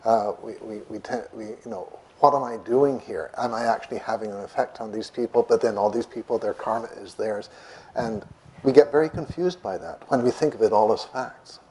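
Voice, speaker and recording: Soft-voiced man teaching a crowd. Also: on the low side, fairly quick, slight background noise, low-quality recording. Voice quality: notoriously soft voice. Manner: gentle, repeats and restarts words. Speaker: meditation teacher. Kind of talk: answering audience questions. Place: lecture room with an audience. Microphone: microphone.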